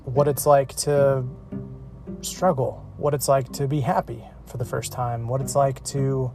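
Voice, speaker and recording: A man's voice: mid-range voice, a little mellow. A man hosting a casual interview podcast, talking in an upbeat, chatty, joking way. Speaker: podcast host.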